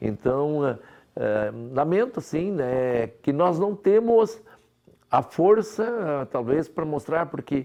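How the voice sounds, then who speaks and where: At a very slow pace, a man with a fairly high pitch talks with very wide pitch swings. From southern Brazil, Rio Grande do Sul (Novo Hamburgo). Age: 60s. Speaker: city councillor. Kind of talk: interview.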